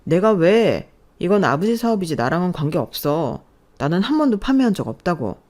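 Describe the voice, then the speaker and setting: A woman's voice: fairly low pitch, big pitch swings, brisk, a little mellow. A woman voicing a scheming, defensive young man, a sneering ex-fiancé in a storybook drama. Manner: sneering, contemptuous.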